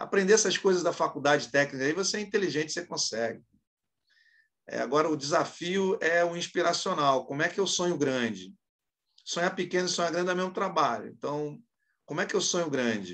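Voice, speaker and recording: The background is quiet as a man talks at a fairly quick pace. His pitch is high, with ordinary pitch variation. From Rio de Janeiro, Brazil (Duque de Caxias). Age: 40s. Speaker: entrepreneur and career speaker. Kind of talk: motivational talk in a live webinar. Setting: online livestream. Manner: animated. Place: meeting room. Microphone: webcam.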